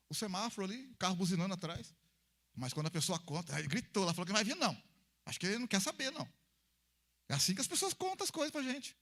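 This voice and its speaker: A man's voice: high voice, a bit bright. A pastor preaching a conversational sermon in church, acting out little dialogues between people to make his point.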